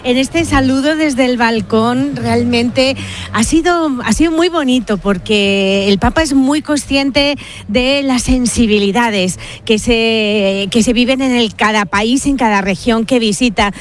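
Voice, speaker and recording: A woman's voice: a little high, measured pace. A woman reporting live on site for radio, earnest and a little hesitant, repeating words as she goes. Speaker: field reporter.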